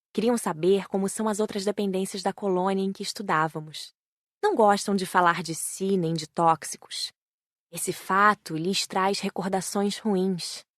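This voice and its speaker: A Brazilian-accented woman reading scripted audiobook narration in measured, clearly phrased sentences. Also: mid-range voice, no room sound, studio quality.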